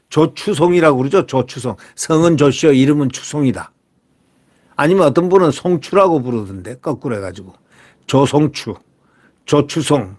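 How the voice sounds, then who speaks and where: A man hosting solo political commentary, talking emphatically and firing rhetorical questions at his viewers while repeating his catchphrases. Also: on the high side.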